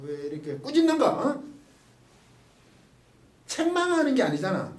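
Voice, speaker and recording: A man giving a lively Bible study lecture, asking the class questions and acting out quotes. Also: extremely high pitch, measured pace. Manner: animated, asks the class questions, acts out quotes. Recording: roomy, mic at a distance.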